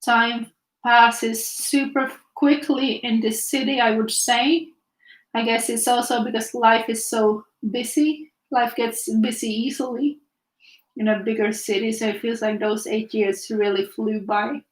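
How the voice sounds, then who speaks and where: A woman's voice: fairly high pitch, steady tone, unhurried, roomy sound, low-quality recording. A young woman from Finland with a Finnish accent, chatting casually to live viewers as she paints and reads their comments aloud. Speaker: art teacher streaming live. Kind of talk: casual chat while painting.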